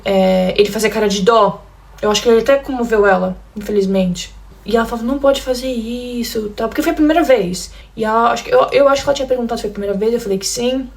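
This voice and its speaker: A woman's voice: medium pitch, fairly even intonation, fast talker, gravelly, a little mellow. A young woman from Brazil telling her own story of abuse, talking straight to her listeners and acting out the lines people said. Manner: addresses listeners as "gente", acts out quoted lines. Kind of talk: emotional personal testimony.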